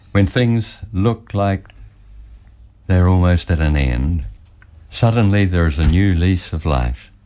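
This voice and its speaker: Over noticeable background noise, a man with a very deep, low pitch speaks very slowly with lively intonation. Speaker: radio co-host and news reader. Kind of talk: radio presenting.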